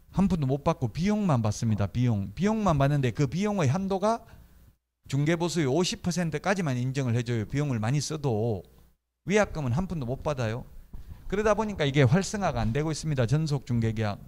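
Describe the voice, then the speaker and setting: A man's voice: fairly high pitch, animated, a little fast, warm tone. A middle-aged man teaching real estate brokerage law in a conversational style. He asks the class questions, answers them himself and tells stories from his own work as a broker. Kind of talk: classroom lecture.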